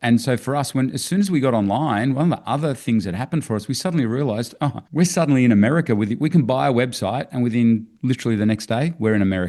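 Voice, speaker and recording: Speaking at a very fast pace with hardly any pauses, a man uses lively intonation and a dark, mellow tone at a medium pitch. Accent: Australian. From Australia. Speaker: online business founder and educator. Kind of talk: interview. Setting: remote call.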